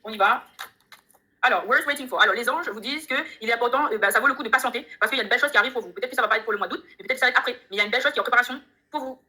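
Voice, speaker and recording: A fast-talking woman reads tarot cards live from her home and talks straight to her viewers. Her voice is bright and a little high, and she keeps the tone chatty and upbeat. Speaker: tarot reader on a live stream. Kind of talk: live tarot reading chat.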